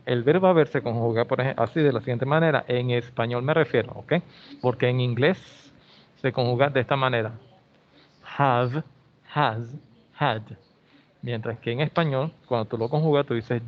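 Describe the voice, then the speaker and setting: Guy teaching english online, mid voice, keeps asking ok?, kinda dull call audio. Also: medium pitch. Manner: explanatory, checks in with frequent "ok?". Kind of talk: online class lecture. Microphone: video call.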